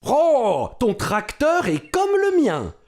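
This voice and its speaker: A man's voice: very high-pitched, huge pitch swings, takes it slowly, heavily acted. A man voicing a kindly farmer uncle in a children's cartoon dub, jolly and encouraging with a sing-song delivery.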